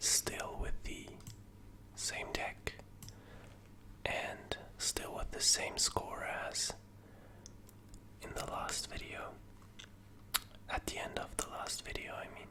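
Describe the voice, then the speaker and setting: Over noticeable background noise comes a whisper at a very slow pace, broken by long, frequent pauses. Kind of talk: ASMR gameplay commentary, whispered. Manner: whispered, soft, relaxing.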